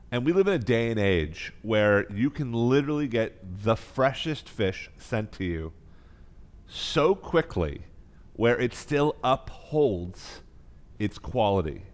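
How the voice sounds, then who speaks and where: Effusive American male cooking instructor. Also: lowish voice. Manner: effusive, enthusiastic, emphatic. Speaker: chef instructor and host. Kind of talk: live online cooking class. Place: kitchen.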